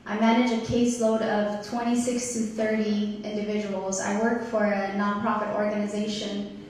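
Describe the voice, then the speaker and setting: A woman from Ethiopia in her thirties giving a prepared community talk as guest speaker, slow and deliberate. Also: mid-range voice, little pitch movement, a little mellow. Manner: slow, deliberate, measured delivery. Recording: echoey hall, distant mic, faint noise.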